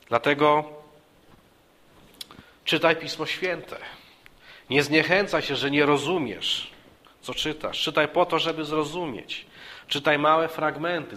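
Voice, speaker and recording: A man preaching a sermon, earnest and repeating himself with small restarts, rising for emphasis and dropping low and soft. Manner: earnest, repeats phrases with restarts, rises for emphasis and drops softly.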